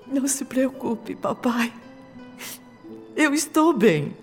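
Slow-speaking, gentle, wistful young daughter. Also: female voice, sits high, expressive, faint music behind. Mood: tender, longing. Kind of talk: radio drama acting.

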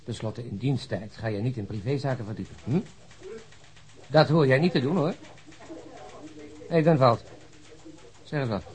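An actor playing a joking, talkative, food-loving police detective in a radio drama, with a teasing, mock-dramatic manner. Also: male voice, mid-range voice, moderate pace, long pauses, darkish tone, natural voice. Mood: probing, wry.

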